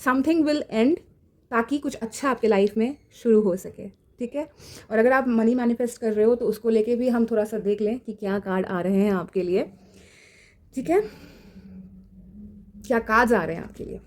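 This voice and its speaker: Woman, tarot reader, gentle reassuring talk, mellow tone, slightly high pitch. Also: moderate pace. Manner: gentle, reassuring, mixes in English phrases. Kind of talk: casual spiritual guidance. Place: home room.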